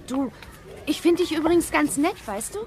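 A woman's voice: sits high, animated, normal speed, darkish tone, slight background noise. A woman playing a kind, earnest young schoolgirl in a children's radio play, speaking reassuringly. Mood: gentle, concerned.

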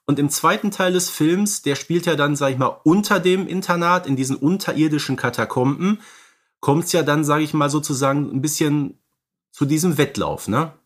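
A man's voice: a little high, normal speed. A man co-hosting a podcast, explaining films conversationally and often adding little tag questions. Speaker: podcast co-host. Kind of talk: conversational film analysis.

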